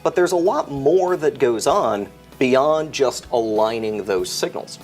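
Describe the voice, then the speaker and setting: Animated man explaining technical gear. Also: medium pitch, unhurried, soft background music. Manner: articulate, methodical explainer. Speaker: technical product expert.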